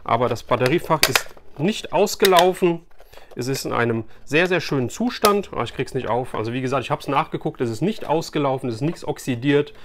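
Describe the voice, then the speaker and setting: A man's voice: fairly high pitch, slight background noise. A man chats casually and colloquially to camera as an enthusiastic host. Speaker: YouTube host, toy collector. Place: small furnished room lined with shelves of collectibles.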